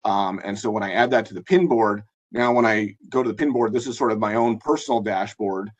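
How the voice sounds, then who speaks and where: A man with a hoarse, husky voice presenting a live software demo in a webinar, talking in a halting way with many fillers and restarts. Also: on the low side, muffled recording. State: hoarse, losing his voice.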